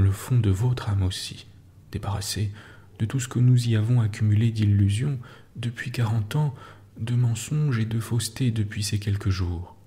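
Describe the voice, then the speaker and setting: A man's voice: on the low side, gravelly, warm tone. A man voicing an aging man in his sixties who pleads with bitter urgency, pressing hard on each syllable, at times in a whisper. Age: 60s.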